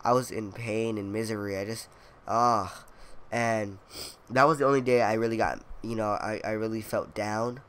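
A man's voice: fairly low pitch, moderate pace, fairly bright tone, clean tone. A young man with a stuffy, congested voice and a cough, rambling casually over his gameplay commentary with lots of fillers and playful boasting. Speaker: gaming video creator.

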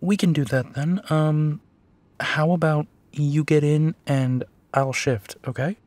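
An actor playing a gentle, protective male werewolf detective in an intimate audio roleplay, speaking softly and earnestly, with reassuring pauses. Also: on the high side, fairly even intonation. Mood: soft, hesitant. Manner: slow, soft, reassuring, with pauses and sighs. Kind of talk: intimate second-person audio drama roleplay.

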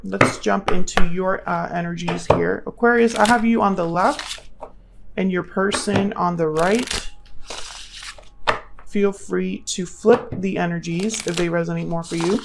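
A woman with a gravelly, vocal-fry voice in the mid-range gives a casual tarot reading, thinking aloud and addressing the listener directly in a chatty way. She's a tarot reader and channel host, and there's background noise.

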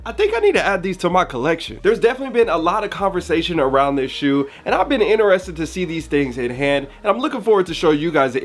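A young man with a stuffy, nasal voice from a cold, hosting a laid-back, slangy sneaker review. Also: high-pitched. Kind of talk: casual product review. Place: indoor studio with shoe shelves.

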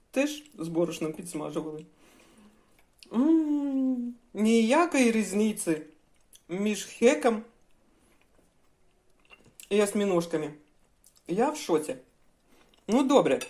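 An older woman, a home cooking vlogger, chats casually at home as she cooks and tastes her food, offering homely advice to viewers. Her voice is lowish and a little mellow.

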